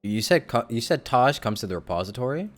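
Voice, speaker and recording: A man's voice: mid-range voice, big pitch swings, fairly quick. A man streaming a video game, reacting and commenting casually with informal, mildly profane language. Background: game music.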